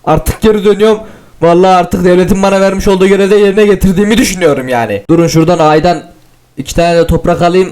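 A young man giving playful, excitable commentary while playing a game as a gaming YouTuber. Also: on the high side. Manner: excitable, joking, swings to loud shouts.

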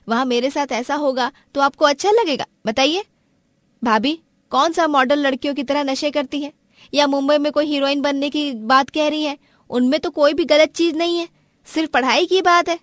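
A woman playing a kind, outspoken young sister-in-law in an animated family story, speaking persuasively. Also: high voice, moderate pace, no echo, studio quality, close to an everyday voice. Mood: pleading, insistent. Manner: persuasive, supportive.

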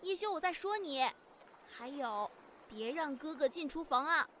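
A woman playing a sweet, teasing young little sister, gently bossy, in an amateur radio drama. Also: sits high, expressive, normal speed, slight background noise.

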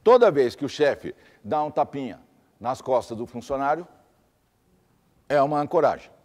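A man lectures to a class, laying out his points in lists and repeating examples. His voice sits at an ordinary middle pitch for a man. The sound carries a long reverb, as in a hall. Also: animated, moderate pace, darkish tone. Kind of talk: teaching lecture.

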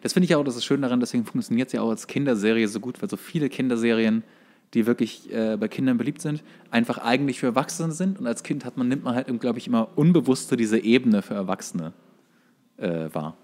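Man chatting casually, halting delivery. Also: mid-range voice, a little mellow. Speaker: podcast co-host. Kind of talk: casual podcast chat about cartoons.

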